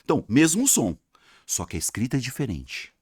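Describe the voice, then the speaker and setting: A man's voice: medium pitch, huge pitch swings, a little fast, a little mellow, breathy edge, no room sound, clean studio sound. A man giving a video lesson, repeating words for emphasis and acting out his students' questions. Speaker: teacher.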